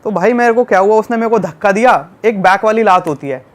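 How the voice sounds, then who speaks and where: A young man from Delhi telling a travel story in a casual podcast chat, animated and acting out the scenes. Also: sits high, fast. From Delhi, India. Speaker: travel YouTuber guest.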